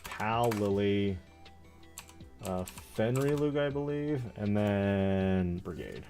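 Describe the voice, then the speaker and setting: A man in his thirties talks in an animated, rambling, jokey way, like a streamer casually chatting to his viewers. His pitch jumps around freely. Music plays faintly behind him. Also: slow. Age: 30s. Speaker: streamer opening trading card packs. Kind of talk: casual livestream chat.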